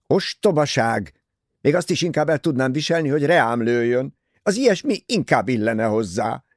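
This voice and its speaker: A man reading aloud, voicing a nervous, agitated young husband who pleads and protests in excited outbursts. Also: medium pitch, no room sound, studio quality, close to an everyday voice.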